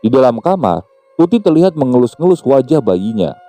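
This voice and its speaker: A man narrating a scripted horror story in a steady, measured way. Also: mid-range voice. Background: faint music.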